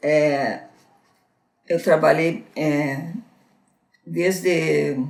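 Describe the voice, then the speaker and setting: A woman speaks in a very deep, low voice at a very slow pace, her intonation flat and monotone. Audible room echo surrounds her. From Paraná, southern Brazil. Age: 70s. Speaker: retired educational counselor and teacher. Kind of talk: testimony. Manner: halting, many fillers.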